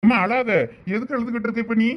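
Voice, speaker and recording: A man's voice: very high-pitched, level tone, fast talker, dull audio, slight background noise. A man playing a worried young adult son who pleads with his uncle, with a Thoothukudi Tamil accent. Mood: pleading. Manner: pleading, urgent.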